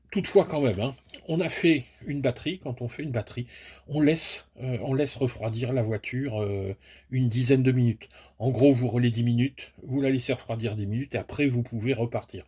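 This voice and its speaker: A man's voice: mid-range voice, a little mellow, breathy edge. A man giving a chatty, self-mocking unboxing review of a remote-control car, explaining each step as he goes. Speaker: toy and hobby product reviewer.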